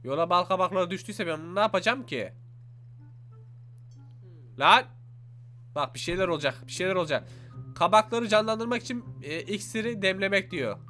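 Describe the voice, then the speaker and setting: A young man narrates his gameplay in a high, bright voice, quick to exclaim and chatting straight to his viewers. His tone is sharp and energetic, with faint game music under him. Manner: animated, exclaims and talks to viewers. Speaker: gaming YouTuber. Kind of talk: excited let's-play commentary.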